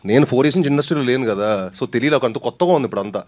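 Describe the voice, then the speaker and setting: A man's voice: medium pitch, expressive, a little mellow. A man, a film producer, answering reporters at a press meet, adding "sir" to nearly every sentence. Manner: rapid, says "sir" often.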